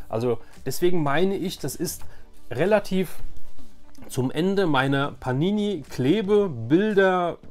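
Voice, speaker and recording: A middle-aged man hosts a nostalgia video, chatting in a rambling, conversational way as if showing off old keepsakes in a casual show-and-tell. His voice is a little high and a little mellow.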